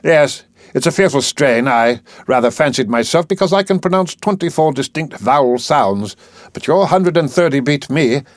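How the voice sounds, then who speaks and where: A man voicing a polite, weary genteel gentleman. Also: on the high side, animated, normal speed, dry recording, studio quality, pitched above the performer's own voice, natural voice.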